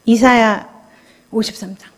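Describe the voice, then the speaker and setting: A woman's voice: on the high side, steady tone, measured pace. A woman junior pastor giving a confessional, conversational sermon at a Friday prayer service, asking the congregation questions. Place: church sanctuary. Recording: long church hall reverb.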